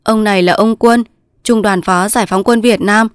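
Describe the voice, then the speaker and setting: A woman voicing a calm, kindly old male villager who speaks plainly in a storybook reading. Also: mid-range voice, normal speed, smooth, no echo, studio quality, pitched above the performer's own voice, close to an everyday voice.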